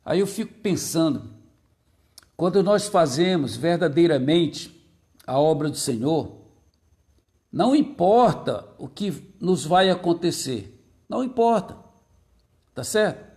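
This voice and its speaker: A man's voice: expressive, a little mellow. A male pastor preaching a sermon, repeating key phrases and greeting viewers by name between points. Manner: slows and drops low on key phrases, repeats them.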